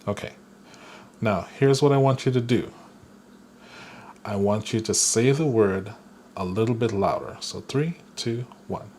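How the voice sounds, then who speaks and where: Male spiritual teacher, unhurried, mid-pitched, faint hiss behind him. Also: a little mellow. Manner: slow, deliberate, with playful chuckles. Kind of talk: guided spiritual lesson.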